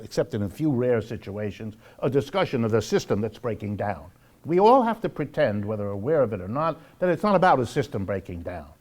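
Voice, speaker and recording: A man lecturing to the public on economics, speaking emphatically and deliberately and repeating phrases for stress. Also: mid-range voice, darkish tone.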